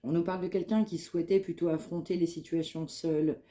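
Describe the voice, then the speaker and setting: A woman with a head cold giving a spoken psychic reading to her viewers, in calm, measured, repetitive phrasing. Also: lowish voice. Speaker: medium giving a card reading.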